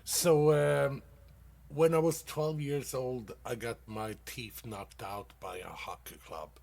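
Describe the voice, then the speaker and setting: A man from Sweden, hosting a dad-joke comedy show and laughing loudly at his own punchlines. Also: medium pitch, steady tone, slow pace, creaky. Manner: casual, calls listeners dude. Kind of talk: dad-joke stand-up on internet radio.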